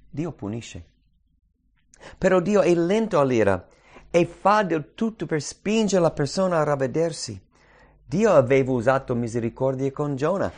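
This is a man delivering a sermon, moving between scripture reading and earnest exhortation. His voice carries a gravelly roughness and sits slightly high for a man. He drives his points home by repeating key phrases with emphasis. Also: darkish tone. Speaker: preacher.

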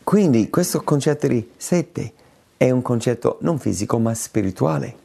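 A man's voice: mid-range voice, animated, moderate pace, gravelly, warm tone. A man preaching a sermon in an emphatic way, repeating words for stress.

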